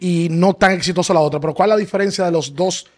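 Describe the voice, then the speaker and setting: A man's voice: high voice, fast, darkish tone. A man hosting a casual interview, prompting his guest with short questions and interjections. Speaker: interview host.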